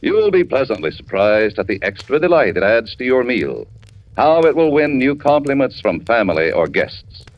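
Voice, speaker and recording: A man reading a radio commercial in a smooth, persuasive, enthusiastic 1940s announcer style. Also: mid-range voice, big pitch swings, normal speed. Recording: dull old radio recording.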